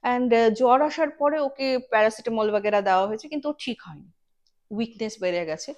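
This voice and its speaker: A woman with a notably high-pitched voice recounts a haunting incident as if talking to a friend. She rambles conversationally, leaning on fillers and slipping English words into her sentences. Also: brisk, a little mellow. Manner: chatty, full of fillers, mixes English words into speech. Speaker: storyteller recounting a true ghost incident. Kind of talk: casual conversational horror storytelling.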